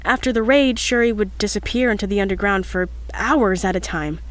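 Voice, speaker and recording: A woman's voice: medium pitch, brisk, close to an everyday voice. Determined young female scientist played by an actress, earnest and reflective, mid-range voice, confessional audio-drama monologue. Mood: somber, reflective. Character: earnest, determined young woman scientist logging news of her crew.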